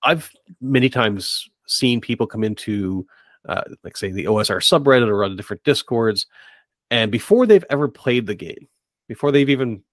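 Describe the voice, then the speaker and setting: A man's voice: mid-range voice, animated, moderate pace, dry recording. A man hosting a podcast, talking conversationally and somewhat tentatively as he rephrases his thoughts. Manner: tentative, hedging, circles back to rephrase. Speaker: podcast host. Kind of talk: conversational interviewing.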